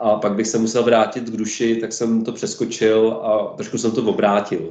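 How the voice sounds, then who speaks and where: A man with a medium pitch and a dark, mellow tone talks at a moderate pace. The background is quiet, with audible room echo. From Czech Republic, Prague; Czech Republic. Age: 40s. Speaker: astrologer; guest. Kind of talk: casual chat. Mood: calm, explanatory. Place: home room. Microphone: video call.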